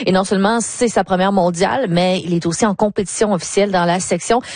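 A woman's voice: mid-range voice, fairly even intonation, quick pace, darkish tone, no room sound. Italian-accented woman reporting on the arts.

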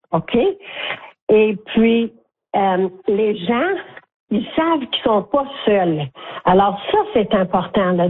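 An older woman with a Franco-Ontarian French accent, talking as a guest in a phone interview, animated and chatty, often checking in with "ok?". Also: mid-range voice, breathy edge. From Northern Ontario, Canada. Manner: warm, animated storytelling with frequent "ok?". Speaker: guest, community volunteer. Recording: tinny phone line.

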